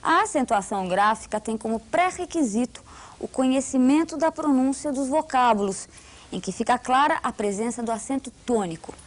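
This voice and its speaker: Brazilian female narrator, high voice, formal scripted read. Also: normal speed. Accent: Brazilian Portuguese. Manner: even, formal reading. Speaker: lesson narrator.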